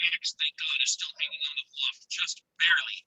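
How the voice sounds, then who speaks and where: A man with a breathy voice reading screenplay stage directions as an intense, suspenseful narrator. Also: on the high side, flat delivery, a little fast, pushed and bright, dry recording, poor audio. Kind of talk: dramatic scripted narration of screenplay action.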